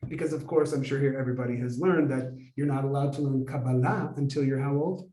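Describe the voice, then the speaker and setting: A man in his forties, raised in America, telling a lively personal story to an audience as a Kabbalah teacher, acting out the dialogue as he goes. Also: mid-range voice, fast talker, distant mic. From United States. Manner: animated, acts out dialogue, many fillers. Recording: echoey room, voice from afar.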